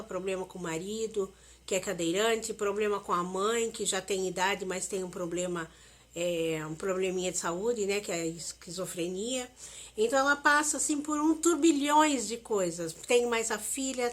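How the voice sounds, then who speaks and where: A woman, talking emotionally and repetitively straight to her viewers in a confessional vlog. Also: medium pitch. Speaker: vlogger.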